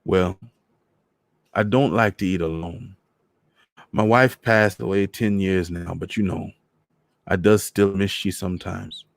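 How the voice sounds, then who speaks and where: A man's voice: deep voice, fairly even intonation, unhurried, gravelly, pauses often, no room sound. A man voicing a lonely, cheerful old man from Trinidad, speaking in a lilting island dialect with a Trinidadian accent. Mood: wistful.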